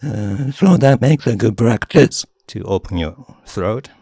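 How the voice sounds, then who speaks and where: Japanese-accented man with a low, deep voice. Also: measured pace, gravelly, breathy edge, no echo, clean studio sound. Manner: animated, demonstrates voices, laughs often. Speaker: author, guest. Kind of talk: casual interview talk.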